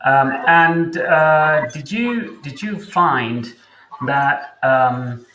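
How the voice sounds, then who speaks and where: A man who teaches English hosts a casual interview chat, talking in a chatty way and thinking aloud with pauses. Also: fairly high pitch, expressive, bright, forceful tone, reverberant, slight background noise, rough recording.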